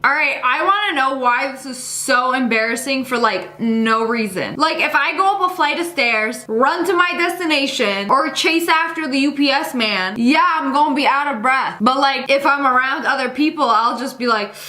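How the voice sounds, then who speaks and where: A woman's voice: high-pitched, animated, normal speed, few pauses, bright, forceful tone, roomy sound. A woman hosting, chatting casually and playfully as she reacts to clips, with slangy asides. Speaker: host reacting to relatable clips.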